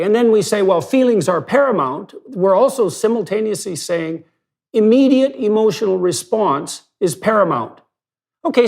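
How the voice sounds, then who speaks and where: A man's voice: sits high, gravelly. A man talking bluntly and emphatically as a guest in a conversational interview, with some mild swearing.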